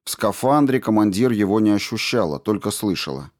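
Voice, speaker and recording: A man reading a story aloud in a steady, measured narration. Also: fairly low pitch. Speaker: audiobook narrator. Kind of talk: scripted narration.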